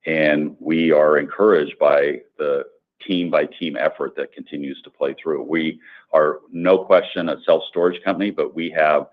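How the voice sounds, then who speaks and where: A male company executive answering on an earnings call, speaking in halting corporate phrasing over a phone line. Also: very deep voice, steady tone. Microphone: conference call line. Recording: tinny narrow phone line.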